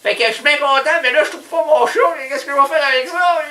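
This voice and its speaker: A man's voice: very high voice, fast, reverberant. A man voicing a rambling, scatterbrained older housewife with a Quebec French accent in a radio comedy sketch. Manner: rambling, scatterbrained, prone to sudden shouts. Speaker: comic character caller.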